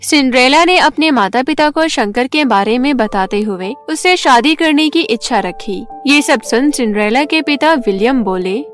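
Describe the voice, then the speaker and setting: Casting: female narrator for children's animated stories, very high voice, music underneath. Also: normal speed, few pauses. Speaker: storyteller. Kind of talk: scripted children's story narration.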